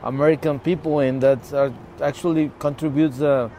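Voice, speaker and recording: This halting man, an activist guest from the Mexico-California border region, tells a personal story in conversation, his Spanish first language showing as he restarts and repeats words. The voice is a little high and warm, with fairly even intonation. Slight background noise is present.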